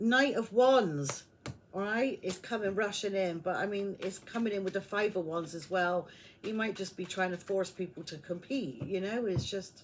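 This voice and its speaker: At a moderate pace, a woman talks, her pitch varying in an ordinary way. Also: medium pitch for a woman. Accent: British. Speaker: tarot reader. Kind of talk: tarot reading. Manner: stumbling over words.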